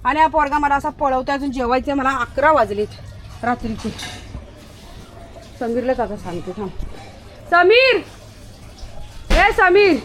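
A woman's voice: sits high, fairly even intonation, moderate pace, long pauses, slight background noise. A woman vlogging at night outdoors on a handheld phone, chatting to viewers and scolding and calling out to her dog. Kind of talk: casual vlog narration to viewers.

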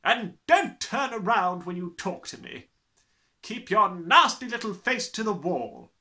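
A man voicing a huge, bullying headmistress, bellowing with scornful, drawn-out menace in a storybook reading. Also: high voice, expressive, pushed and bright, pitched above the performer's own voice, full character voice. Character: huge, bullying, furious tyrant headmistress, adult woman.

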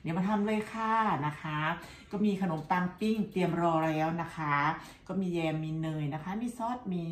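A woman's voice: on the low side, moderate pace, echoey room. A middle-aged woman from Thailand, chatting and laughing while cooking breakfast at home for her vlog. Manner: chatty and laughing, constant polite tag words. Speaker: cooking vlogger. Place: home kitchen, indoors.

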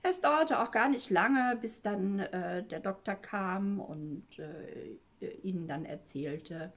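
A woman's voice: mid-range voice, takes it slowly. A woman, host of a knitting channel, casually telling a story aloud with many fillers, restarts and chatty asides.

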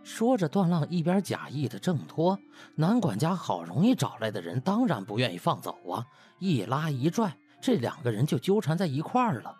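A man's voice: fairly high pitch, very animated, normal speed, a little mellow, breathy edge. A man narrating a comic audiobook in a dramatic storytelling manner. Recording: music bed behind the voice.

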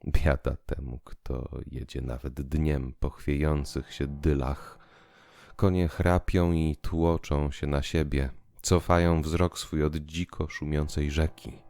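A man narrating a literary audio drama in a theatrical, expressive way. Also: extremely low pitch, slow pace, gravelly, no echo. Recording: music bed under the voice. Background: piano and musical accompaniment.

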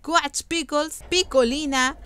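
High-voiced excited woman gaming YouTuber. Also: slow pace. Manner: emotive, addresses viewers directly. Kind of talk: excited reaction commentary. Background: background music.

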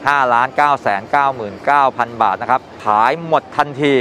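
A man's voice: medium pitch, brisk, pushed and bright. A middle-aged man presenting a walkthrough at a car show, upbeat and informative, recorded on a lapel mic in a large indoor exhibition hall. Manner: upbeat and informative, with polite sentence endings. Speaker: motoring reporter. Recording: noisy exhibition hall ambience.

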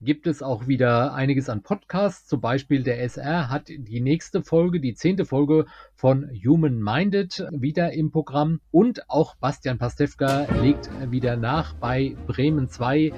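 A man's voice: medium pitch, unhurried, few pauses, darkish tone, lo-fi sound, faint music behind. A man co-hosting a podcast, announcing new releases in casual conversation. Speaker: podcast co-host.

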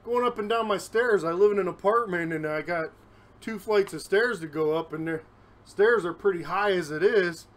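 Guy talking to his phone cam at home, kinda high voice, rambly and candid, bit out of breath. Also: normal speed. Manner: rambling, candid, self-deprecating. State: a little out of breath. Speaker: vlogger. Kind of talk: casual solo vlog. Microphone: phone camera, recording himself.

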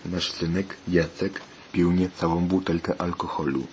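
A man voicing a stern, worried father who scolds his son, in a steady, insistent tone. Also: sits low, unhurried, muffled recording, a little hiss or hum. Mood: scolding.

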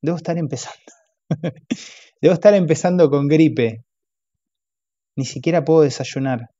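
A man's voice: fairly high pitch, moderate pace, dark tone, no room sound, voice pushed up, lightly acted. A man voicing a hungover alcoholic husband who wheedles and pities himself, in a dull, dry audiobook recording. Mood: wheedling. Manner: wheedling, whiny.

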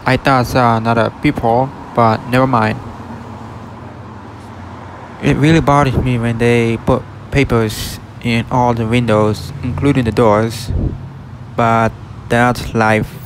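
A man's voice: medium pitch, flat delivery, takes it slowly, poor audio. A man narrating a casual walkthrough vlog outside a closed shop, filming on a handheld phone with plain, simple remarks. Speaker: retail exploration vlogger. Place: outdoors on a city street by a closed shop. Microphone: handheld phone camera. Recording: faint outdoor street noise. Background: faint street and car noise.

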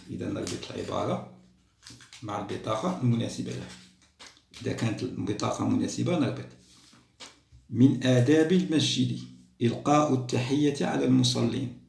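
Gravelly male teacher in an echoey room. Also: medium pitch, darkish tone, far from the mic. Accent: Algerian Arabic. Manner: reads questions aloud slowly, then praises and explains. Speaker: primary school teacher. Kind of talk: classroom-style exam review lesson.

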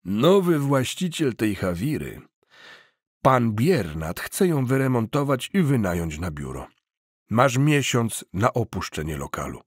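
A male audiobook reader voicing a big, stern, shaven-headed heavy who talks in a booming, flat and curt way. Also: measured pace, husky, no room sound, studio quality. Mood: blunt. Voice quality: booming deep voice. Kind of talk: audiobook character voice.

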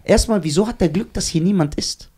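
A young man from Germany telling a story on a casual podcast, animated and laughing at himself as he acts out the voices of the people in it. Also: high-pitched, fairly quick, breathy edge. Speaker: podcast co-host.

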